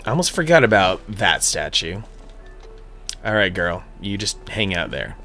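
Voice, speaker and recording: Animated, joking man streaming a game. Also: deep voice, a little slow, soft background music. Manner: playful, sarcastic, jokey, swears casually. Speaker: streamer playing a video game. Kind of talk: live gameplay commentary.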